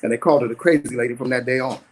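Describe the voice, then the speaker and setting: A man's voice: mid-range voice, fairly even intonation, racing, a little hiss or hum, rough recording. A middle-aged man performing spoken-word storytelling at an open mic, dramatic, with rhythmic repetition.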